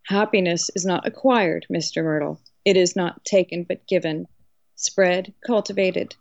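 A woman's voice: on the low side, fairly even intonation, a little slow, vocal fry, darkish tone, dry recording. A woman reading the part of an earnest, learned male colonial law professor, didactic and emphatic, from a historical novel. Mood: earnest, instructive. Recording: dull lo-fi audio.

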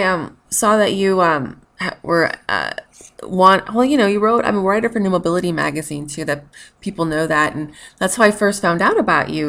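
A woman's voice: fairly low pitch, creaky, fairly bright tone. A woman hosting a podcast interview, talking in a chatty, upbeat, rambling way. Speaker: podcast host. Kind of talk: casual interview chat.

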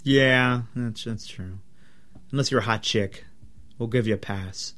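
A man's voice: mid-range voice, a little slow, a bit bright. A young man co-hosting a podcast while sick, talking bluntly and crudely and teasing his co-host in casual chat.

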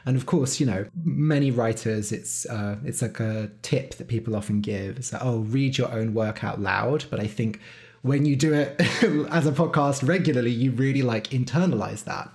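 A man with a mid-range voice hosts a relaxed podcast conversation. He talks in a chatty, easygoing way and fills his sentences with "like" and "you know.". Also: medium pitch, normal speed. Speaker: podcast host and interviewer. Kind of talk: casual interview talk.

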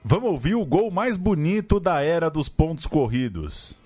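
A man's voice: on the high side, big pitch swings, normal speed, a little mellow, soft background music. A Brazilian man hosting a casual football chat in an irreverent, sweary, emphatic way. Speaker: podcast host.

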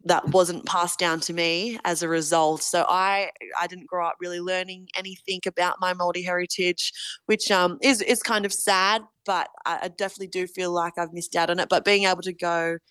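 Woman in her twenties, interview guest: low-pitched, smooth, earnest and thoughtful, dry close sound. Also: little pitch movement, moderate pace, a bit bright, no echo. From Australia. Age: 20s. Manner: earnest, reflective, thinks aloud. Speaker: guest, rugby league captain. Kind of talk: casual interview answers.

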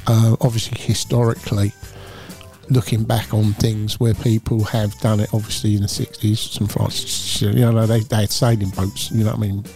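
A man's voice: on the low side, little pitch movement, normal speed, a little mellow, faint music behind. A man, co-hosting a podcast in casual, rambling chat. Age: 60s. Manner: chatty, rambling, repeats himself. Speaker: podcast co-host.

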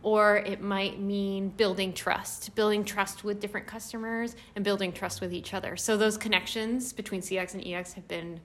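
An enthusiastic woman researcher describes her work in an upbeat, friendly tone. Her voice sits at a middle pitch. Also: steady tone, moderate pace, few pauses. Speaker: research analyst. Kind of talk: conference interview answer.

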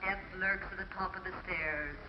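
A man playing an inhuman, grim reaper-like voice of death in an old radio mystery, giving slow, ominous warnings. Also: high voice, fairly even intonation, close to an everyday voice. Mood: slow menace. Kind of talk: 1940s radio mystery acting. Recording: muffled old radio, long reverb, hiss.

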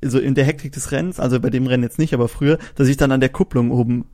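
A man hosting a casual chat, talking quickly and loosely with many fillers. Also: mid-range voice, steady tone, dark tone. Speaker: host.

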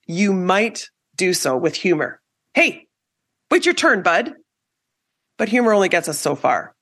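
A woman host talks listeners through communication advice with a lively, emphatic coaching delivery. Her voice sits on the low side and swoops up and down a great deal as she stresses her points. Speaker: podcast host. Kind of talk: scripted advice talk.

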